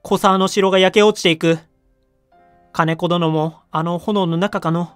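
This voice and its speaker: Casting: man as defeated samurai lord, theatrical and anguished, very unhurried old warrior diction, music underneath. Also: sits high, steady tone, a bit bright, clear, resonant tone. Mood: mournful. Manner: theatrical, archaic warrior speech. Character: anguished samurai lord watching his castle fall. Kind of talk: period voice drama acting.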